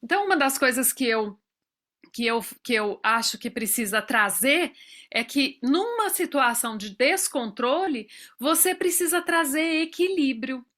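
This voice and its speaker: Brazilian woman, forties, speaker at a professionals' talk; high, bright voice; tells personal stories and acts out dialogue. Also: expressive, a little slow. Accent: Brazilian Portuguese.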